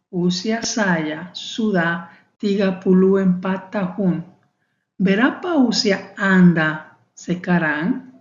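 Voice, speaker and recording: Woman in her 30s, drills words super slow over and over, roomy dull recording. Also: mid-range voice. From Mexico. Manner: slow, deliberate drilling with many repetitions. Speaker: foreign student teaching a beginner class. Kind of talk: beginner language lesson.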